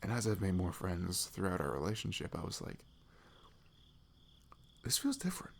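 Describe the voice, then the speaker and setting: A man playing a sweet, nervous young best friend in an intimate ASMR roleplay, speaking haltingly with a husky, breathy voice that drops toward whispers. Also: low-pitched, huge pitch swings, full character voice. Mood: nervous, tender. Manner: hesitant, halting, slipping into whispers.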